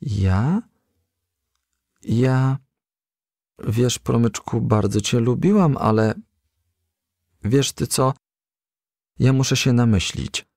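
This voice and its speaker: A man voicing a shy young female firefly who speaks in a halting, bashful way in a storybook. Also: medium pitch, a little mellow, no echo, studio quality, voice pushed up. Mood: hesitant.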